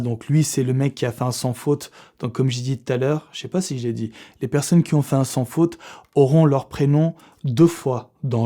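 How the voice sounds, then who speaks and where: Young male vlogger, mellow tone, casual, slangy delivery with swearing. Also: mid-range voice. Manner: slangy, swearing, chatty, laughs often. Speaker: fitness youtuber running a giveaway draw. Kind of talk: casual vlog talk to camera.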